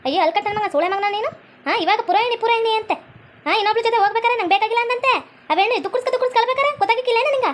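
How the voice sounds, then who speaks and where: A woman playing a fussing rural old mother, wailing and scolding. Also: extremely high pitch. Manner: wailing and scolding, quick sing-song lament. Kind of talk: village comedy skit acting.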